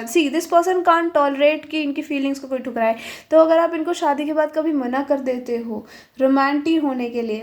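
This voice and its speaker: Young woman tarot reader, high voice, chatty, code-switching, keeps checking in with listeners. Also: a little mellow. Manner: chatty, mixes Hindi and English, keeps asking "ठीक है?". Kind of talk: pick-a-pile tarot reading.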